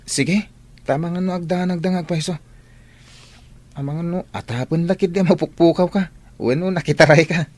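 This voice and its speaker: A man's voice: a little high, normal speed, long pauses, a little mellow, a little hiss or hum, natural voice. A man playing a concerned teenage schoolboy friend in an audio drama, earnest and persuasive. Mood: urging. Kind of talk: Ilocano radio-style drama acting.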